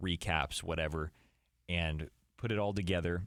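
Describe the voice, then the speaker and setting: Speaking in a Californian accent, a man talks at a fairly quick pace with a very deep, low pitch. The recording is very clean and the background silent. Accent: Californian American. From Southern California. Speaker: student sports broadcaster. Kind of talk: radio interview.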